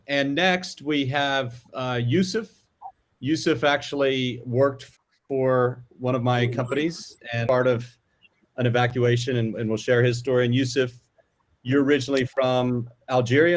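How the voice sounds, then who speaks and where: A man speaks as the host of a live panel. His pitch is average, and he moderates the discussion by introducing guests and putting questions to them. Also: fairly even intonation, normal speed.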